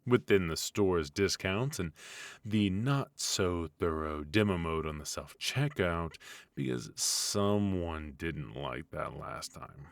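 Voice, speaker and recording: A man playing a smug, fussy retired supervillain husband in an intimate comedic ASMR roleplay, with a husky, mock-sinister delivery. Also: deep voice, takes it slowly. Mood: teasing, exasperated.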